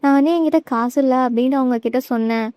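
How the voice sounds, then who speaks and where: A woman's voice: high voice, a little fast, a little mellow, clear, resonant tone, no room sound, lightly acted. A woman voicing a scared young gambler, pleading. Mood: pleading, tearful. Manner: pleading, tearful. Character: young man, scared debt-ridden gambler brother.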